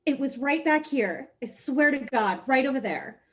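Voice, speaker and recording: Distraught young woman, high-pitched and pleading, played by an actress in a dramatic script read. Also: animated, moderate pace. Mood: shaken, urgent.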